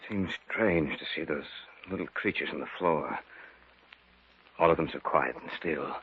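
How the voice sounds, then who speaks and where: An actor playing a steady, cautious companion in an old radio drama. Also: male voice, a bass voice, unhurried, husky, heavily acted. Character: Mister Hunter, steady male companion. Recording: dull old radio with faint hiss.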